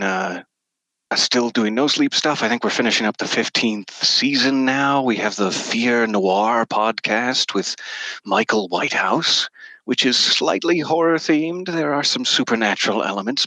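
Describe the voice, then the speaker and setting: A man's voice: mid-range voice, pushed and bright, no room sound, poor audio. A man chatting casually as a voice actor guest on a podcast, with wordy, playfully dramatic phrasing. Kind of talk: casual podcast conversation about audio drama work.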